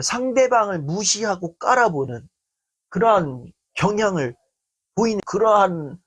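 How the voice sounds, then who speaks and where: A male lecturer talks through a listener's worry with a husky edge to his voice. His pitch rises and falls freely as he slips in and out of acted-out quotes. The delivery is conversational and expressive. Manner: animated, acts out quoted speech. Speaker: lecturer answering a viewer's letter. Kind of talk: talk-show style self-esteem lecture.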